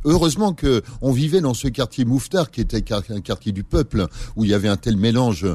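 This speech moves at a moderate pace. Its tone is dark and mellow. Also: man. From Paris. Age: 70s. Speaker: activist and poet. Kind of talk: radio interview.

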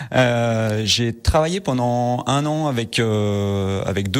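The man's voice sits at a medium pitch. Its pitch moves in an ordinary way. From Savoie, French Alps. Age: 40s. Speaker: beekeeper. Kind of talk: radio interview.

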